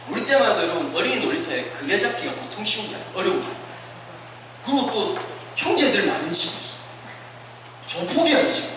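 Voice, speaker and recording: A pastor in his forties telling funny childhood stories in a sermon, acting out quotes with a lively, humorous delivery. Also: sits high. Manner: animated, humorous storytelling with acted-out quotes. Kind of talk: sermon at a winter retreat, storytelling. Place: church hall. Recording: echoey hall recording from far off, noisy. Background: audience laughter.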